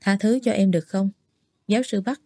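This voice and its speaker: A playful, pushy young man who coaxes and lightly mocks in a storybook, voiced by a woman reader. The tone is soft and mellow, close and dry. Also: mid-range voice, steady tone, a little fast, no echo, close to an everyday voice. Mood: teasing. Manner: coaxing, lightly mocking.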